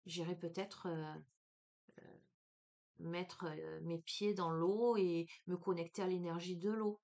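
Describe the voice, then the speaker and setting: A woman with a Marseille accent giving a spiritual card reading, talking casually and warmly to the listener with lots of fillers and restarts. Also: lowish voice, steady tone, slow pace. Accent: Marseille French. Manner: chatty, hesitant, many fillers, addresses listener as tu. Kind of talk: casual spiritual guidance talk.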